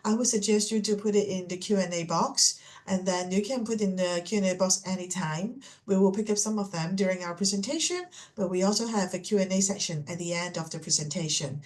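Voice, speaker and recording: A middle-aged woman from Hong Kong presents as a webinar host. She speaks at a medium pitch in an informal, semi-scripted way, chatting to the attendees as she goes. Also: fairly quick, a little mellow. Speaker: webinar host and MBA admissions manager.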